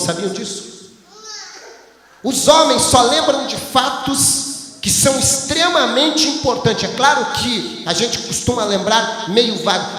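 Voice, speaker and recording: A man preaching as a pastor, telling animated stories and acting out his wife's lines. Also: very high voice. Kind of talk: sermon. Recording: echoey hall, faint ambience.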